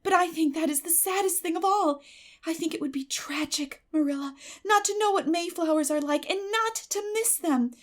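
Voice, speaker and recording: Lady doing a dreamy little schoolgirl for an audiobook, high voice, super gushy and theatrical. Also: normal speed. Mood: rapturous. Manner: effusive, earnest, theatrical. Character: dreamy, dramatic, gushing young schoolgirl. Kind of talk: dramatic audiobook character voice.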